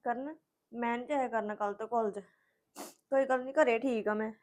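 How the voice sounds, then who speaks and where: Woman playing a defensive college girl, high quick voice. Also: close to an everyday voice. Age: young adult. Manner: defensive, explaining, hurt. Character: defensive young college-going sister.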